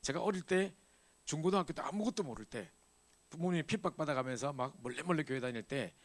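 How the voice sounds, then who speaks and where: A middle-aged man preaching to a church youth group, telling a personal story in a lively, animated way. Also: fairly high pitch, fast. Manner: animated storytelling, acts out scenes. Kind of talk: sermon with personal testimony.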